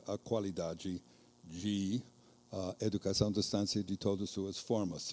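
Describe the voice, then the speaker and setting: A man with an American accent speaks at a fairly slow pace in a dark, mellow tone and a fairly low pitch, his loudness swinging widely. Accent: foreign (American) accent in Portuguese. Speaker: professor, education association leader. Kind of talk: panel talk. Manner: halting, many fillers.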